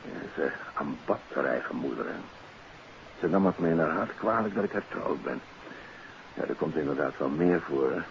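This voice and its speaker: An anxious middle-aged doctor in an old radio play, with a deep, gravelly voice. He is courteous and hesitant, a troubled father who keeps apologising, on a muffled recording with audible noise. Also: lively intonation, normal speed, full character voice. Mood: regretful, troubled. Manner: hesitant, apologetic, often tagging sentences with questioning particles. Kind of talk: 1950s radio drama acting.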